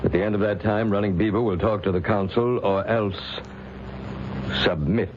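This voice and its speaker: A man's voice: lowish voice, fairly even intonation, normal speed, close to an everyday voice. A man playing a stern, proud tribal chief in an old-time radio drama, with a formal, declamatory delivery. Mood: stern, imperious. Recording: muffled vintage radio, faint noise.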